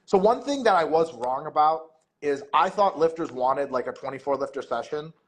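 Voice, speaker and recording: A man's voice: a little high, animated, moderate pace. A man talking casually as a podcast guest, rambling with lots of filler words. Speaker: guest, meet director and MC.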